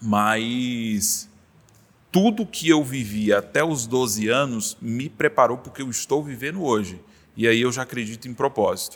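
A man's unremarkable speaking voice, medium in pitch, with ordinary pitch variation and a fairly slow pace. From Brazil, Brasília (Ceilândia). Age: 20s. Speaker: aspiring politician and law student. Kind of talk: podcast interview.

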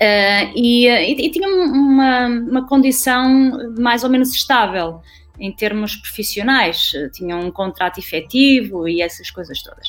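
A woman's high-pitched voice with a European Portuguese accent, fairly slow and lively in intonation, over music in the background. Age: 40s. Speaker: real estate trainer. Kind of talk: interview. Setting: remote call.

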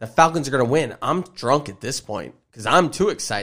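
This man speaks with an American accent at a fairly high pitch. He talks fairly quickly, with very wide pitch swings. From Georgia, US South. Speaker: podcast host, sports betting and fantasy. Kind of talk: comedic mock press conference monologue. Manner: animated, humorous.

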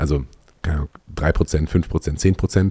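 This is a man's voice with a dark, mellow tone. It is somewhat breathy. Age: 30s. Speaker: podcast host. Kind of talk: casual chat.

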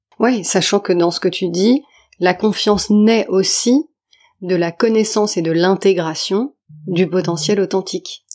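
The recording is very clean with a silent background, and a woman speaks at medium pitch with very even loudness. She goes at a fairly slow pace with ordinary pitch variation. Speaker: podcast host. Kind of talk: interview. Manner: lyrical, scripted intro.

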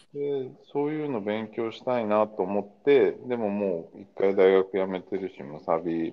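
A man's normal speaking voice, fairly low in pitch, at a fairly slow pace with hardly any pauses, lively intonation, and big swings in loudness. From Chiba, Japan. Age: 50s. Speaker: architect. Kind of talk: casual chat.

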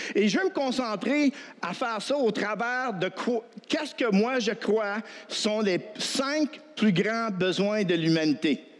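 A man's high-pitched voice with lively intonation at a very slow pace, against noticeable background noise. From Ottawa, Franco-Ontarian. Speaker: preacher. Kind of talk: sermon. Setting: church.

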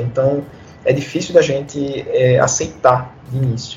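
A man's voice against noticeable background noise. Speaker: university translation professor. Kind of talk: interview. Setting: online call.

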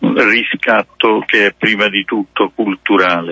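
A man talks at a fairly slow pace in a normal speaking voice. His pitch is fairly low. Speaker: university professor. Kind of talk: radio interview. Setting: remote call while on the move. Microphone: unstable connection.

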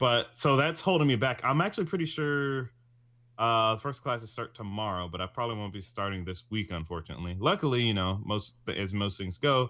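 Speaking at a moderate pace, a man with a fairly low pitch and lively intonation has a plain, everyday voice. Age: 20s. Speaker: podcast co-host, student. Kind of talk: casual chat.

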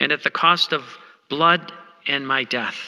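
A man with a fairly high pitch and a bright, sharp tone, at a very slow pace. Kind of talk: retreat talk reading devotional meditation aloud. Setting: church parish retreat. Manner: enthusiastic.

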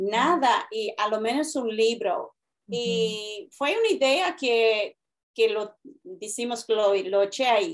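This woman's intonation is lively. She talks at a very slow pace. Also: fairly high pitch for a woman. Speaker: missionary's wife and author. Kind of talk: interview testimony.

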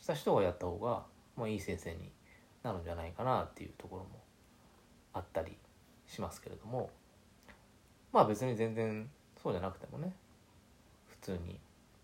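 A man's fairly low, somewhat breathy voice at a fairly quick pace, with ordinary pitch variation, big swings in loudness and long, frequent pauses. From western Japan, Chugoku region. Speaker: podcast co-host. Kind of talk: casual chat.

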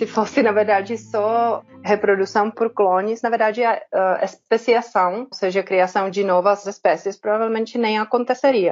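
Over music in the background, a woman with a Czech accent and fairly high pitch speaks at a moderate pace with fairly even intonation and hardly any pauses. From Czech Republic. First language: Czech (speaking Portuguese). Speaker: anthropologist, professor. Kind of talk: interview.

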